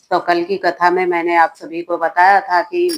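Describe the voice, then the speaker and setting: The speaker is a woman. Her pitch is medium. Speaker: religious storyteller. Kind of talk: devotional storytelling. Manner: halting.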